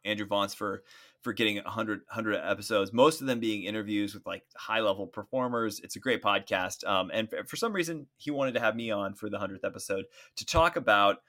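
A man in his forties co-hosting a podcast, chatting in a relaxed, easygoing way with many fillers. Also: on the low side, brisk. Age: 40s. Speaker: podcast co-host. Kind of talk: casual podcast chat.

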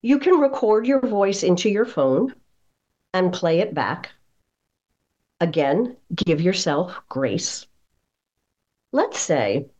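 A woman speaking as a guest voice coach, giving conversational advice in an emphatic, expressive and encouraging manner. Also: lowish voice, muffled recording.

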